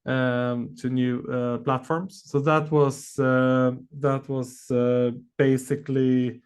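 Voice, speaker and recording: A male executive fields questions on an earnings call in a medium-pitched voice. He speaks in a halting, hesitant way, often stretching out filled pauses as he builds his answer. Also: level tone, a little mellow, clean tone. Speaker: company executive.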